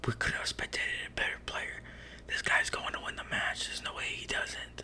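The speaker whispers at a fairly quick pace. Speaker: gaming ASMR creator. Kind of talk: ASMR gaming commentary. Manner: whispered. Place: home room.

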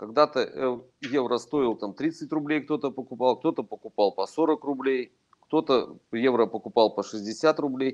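Over a quiet background, someone speaks at a fairly slow pace with ordinary pitch variation in an unremarkable speaking voice. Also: man, medium pitch for a man. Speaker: real estate agent. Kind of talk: expert interview in webinar. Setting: video call. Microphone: video call.

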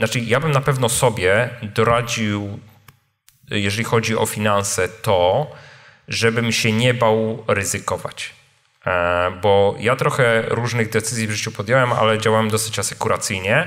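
This man's voice sits at a medium pitch and moves at a moderate pace. He sounds animated. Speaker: personal finance podcaster and blogger. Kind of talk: live audience Q&A answers. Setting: live meeting with audience.

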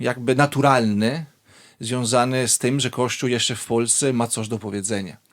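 A man speaks with an Italian accent at medium pitch. His pace is moderate and his pitch variation ordinary. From Italy, Veneto region near Venice. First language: Italian (speaking Polish). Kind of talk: radio interview. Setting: radio studio. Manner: hesitant, with fillers.

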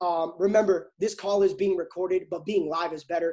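A man speaks in a high pitch. The background is quiet. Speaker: company leader hosting. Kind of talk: motivational webinar opening. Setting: live video call. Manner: excitable. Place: home room. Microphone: earbuds.

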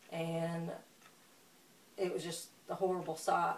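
A woman speaks fairly slowly in an Appalachian accent, with a fairly low pitch. Her intonation is flat and monotone, over noticeable background noise. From West Virginia. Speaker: flood survivor. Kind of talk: interview.

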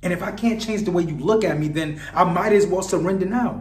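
A man speaks at a moderate pace in a high pitch with ordinary pitch variation, and audible room echo surrounds his voice. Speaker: actor performing a monologue. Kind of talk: dramatic acting monologue. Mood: hurt, frustrated, pleading. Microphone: camera far.

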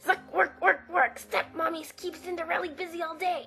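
Over clear music in the background, a put-on character voice moves at a moderate pace. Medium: dub.

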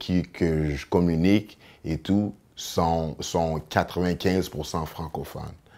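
With a Haitian accent, a man with a very deep, low pitch speaks at a very slow pace with fairly even intonation. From Quebec, Haitian family. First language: Haitian Creole (speaking French). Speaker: actor and dancer; actor. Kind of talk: interview monologue. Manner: halting, many fillers and repetitions. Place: home room. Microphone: lapel.

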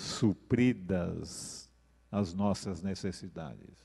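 A man's pitch rises and falls in an ordinary way, heard against a quiet background. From Brazil. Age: 80s+. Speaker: pastor. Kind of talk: sermon. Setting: church. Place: church. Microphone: handheld.

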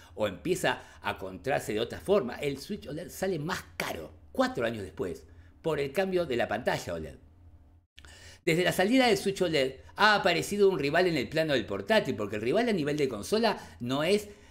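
With an Argentine accent and vocal fry, a man speaks at a moderate pace, his pitch swinging very widely. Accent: Argentine Spanish (Rioplatense). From Argentina. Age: 40s. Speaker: gaming youtuber; gaming streamer. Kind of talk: video commentary monologue.

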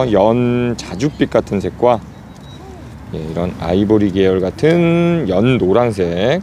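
A man's voice with a dry sound and no echo, over light background noise. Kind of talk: casual vlog chat. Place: market. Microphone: phone near.

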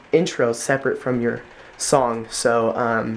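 A man speaks in a flat monotone. Light background noise sits behind him. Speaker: vlogger. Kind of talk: casual vlog chat. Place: home room. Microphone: phone near.

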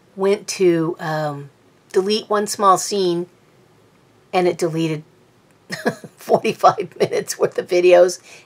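Very slowly, a woman is speaking. Her intonation is fairly even. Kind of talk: tutorial. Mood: frustrated but laughing. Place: home room.

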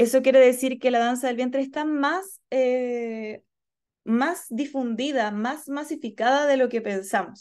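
Over a quiet background, a woman with a high pitch talks at a fairly slow pace. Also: ordinary pitch variation. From Chile. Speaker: dancer and researcher; presenter. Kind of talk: academic presentation. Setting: video call. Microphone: video call.

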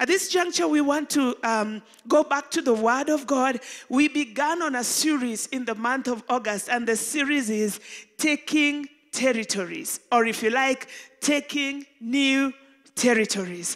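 Someone with a Kenyan accent speaks at a fairly slow pace with ordinary pitch variation against a quiet background. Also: woman, high pitch for a woman. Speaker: pastor. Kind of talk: sermon. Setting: church. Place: church. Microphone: handheld.

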